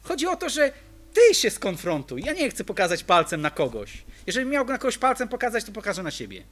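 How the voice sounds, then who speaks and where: A man's voice: high voice, huge pitch swings, brisk, a bit bright. A man preaching a sermon, emphatic and full of rhetorical questions to the congregation.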